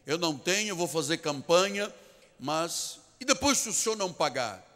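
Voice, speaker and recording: A man's voice: fairly high pitch, expressive, normal speed, sharp tone. A man with a Portuguese accent preaching a sermon as pastor, telling a story with emphatic repetition of key phrases. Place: large church sanctuary. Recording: long church reverb.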